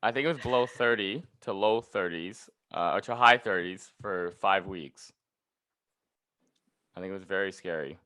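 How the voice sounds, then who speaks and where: Lowish-voiced Canadian man, casual co-host. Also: moderate pace, sharp tone, clear, resonant tone. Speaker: podcast co-host. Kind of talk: casual chat.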